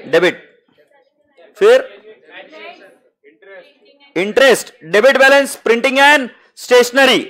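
A man's voice: extremely high pitch, expressive, slow pace, long pauses, fairly bright tone. A man with an Indian accent teaching accounting to a live class, mixing Hindi and English and calling students "beta" fondly.

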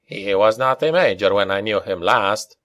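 A man voicing a calm, wry Scottish mercenary with a lilting burr in an audiobook. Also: lowish voice, normal speed, no echo, studio quality. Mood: wary, thoughtful.

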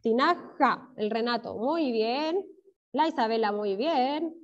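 With lively intonation and a high voice, a Chilean woman runs an online primary school class for young children. She stretches words slowly into syllables and offers encouragement, praising pupils by name, all captured through a video call in dull, lo-fi sound.

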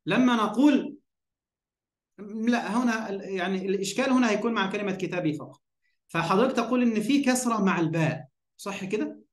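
A man with an Egyptian accent gives an online grammar lesson in a fairly high voice. He keeps asking his class questions, fills in the answers himself, and checks they follow. His voice rings in an echoey room. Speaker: Arabic grammar teacher.

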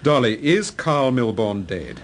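An actor playing a suave, probing amateur detective in a radio drama, with a British accent. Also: male voice, medium pitch, very animated, a little slow, a little hiss or hum. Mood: calm, insistent.

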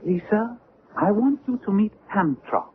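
Solemn, swooping alien envoy. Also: male voice, high-pitched, lively intonation, measured pace. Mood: solemn, commanding. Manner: formal, pronouncing. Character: solemn, commanding male alien envoy with a mission. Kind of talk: old-time radio drama acting. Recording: tinny, noisy old radio recording.

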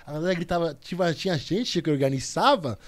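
A young man, a podcast guest telling a story in a lively, slangy way, full of restarts and repeats. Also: on the high side, brisk. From Cuba. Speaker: podcast guest, volleyball player. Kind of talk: casual storytelling chat.

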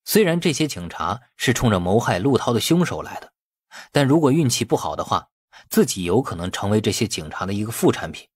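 Guy narrating a dramatic audiobook, lowish husky voice, really dry sound. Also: sing-song, fairly quick, dry recording. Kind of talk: scripted dramatic novel narration.

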